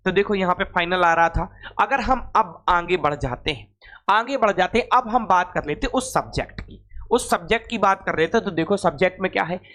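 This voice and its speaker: A man's voice: sits high, a little fast, a bit bright. A man teaching an informal exam-prep class, repeating phrases and asking questions that he then answers himself.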